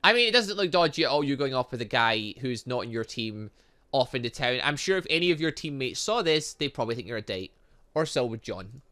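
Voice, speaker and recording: A man gives casual commentary while reading through a visual novel. His delivery is animated and bright, dropping into joking asides and tripping over the odd word. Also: mid-range voice, a little fast. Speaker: gaming video host.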